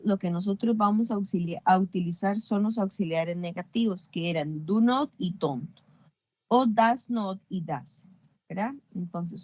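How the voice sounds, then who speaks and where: A woman's voice: medium pitch, dark tone, dry recording, highs cut off. A woman teaching an English grammar class online, explaining patiently and often checking understanding.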